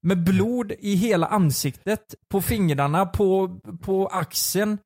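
A young man in his twenties tells a story in a casual chat, his voice sitting a little on the high side. He talks in an animated way and swears freely. The sound is dry and close, with no room in it. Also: no echo. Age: 20s.

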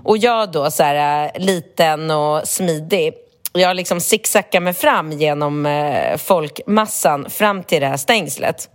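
A woman in her forties tells a story on a casual podcast. Her voice sits lowish for a woman. She swears freely and acts out each quote as she goes. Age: 40s. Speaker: podcast co-host.

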